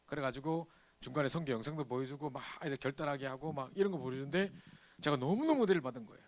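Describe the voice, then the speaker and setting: A middle-aged man preaching to a church youth group, telling a personal story in a lively, animated way. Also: mid-range voice, very fast. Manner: animated storytelling, acts out scenes. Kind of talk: sermon with personal testimony.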